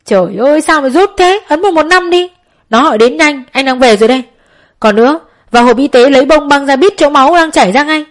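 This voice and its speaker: A woman voicing a hot-tempered, violent man who shouts and gives harsh orders. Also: sits high, expressive, a little fast, pitched above the performer's own voice. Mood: angry, shouting.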